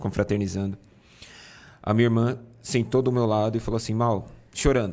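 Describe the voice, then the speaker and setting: A man with a dark, mellow tone talks at a very fast pace with fairly even intonation on a very clean recording with a silent background. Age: 30s. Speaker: video editor and cameraman. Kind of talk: casual interview chat.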